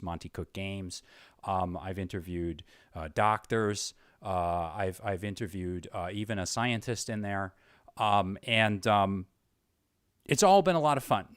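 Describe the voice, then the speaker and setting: A man with a fairly low, resonant voice introduces an interview show. He talks conversationally and effusively, often hesitating and doubling back on words. The sound is clean and dry, with very little room. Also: clean tone, no room sound. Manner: halting, hesitant delivery with repeated words.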